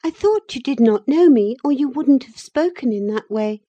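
A woman voicing an excitable young lady, speaking high and pleading. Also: moderate pace, dull audio. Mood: indignant. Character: lively eager girl, young lady of the manor.

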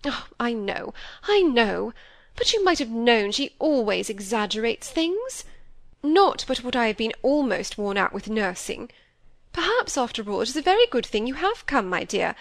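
A woman's voice: fairly high pitch, sing-song, normal speed, no room sound. A woman voicing a fussy, self-pitying middle-aged stepmother who complains and talks over others, with a dry, close sound. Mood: fussing.

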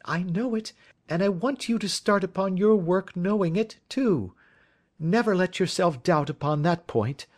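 A man's voice: sits high, measured pace, darkish tone, voice pushed up. A man reading aloud as an earnest young woman who urgently pleads for a friend. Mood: imploring. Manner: urgent, imploring.

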